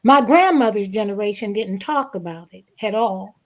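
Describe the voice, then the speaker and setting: A woman guest speaking reflectively in a panel interview, with emphatic, deliberate phrasing and pauses. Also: medium pitch, expressive. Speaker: stage play cast member, guest.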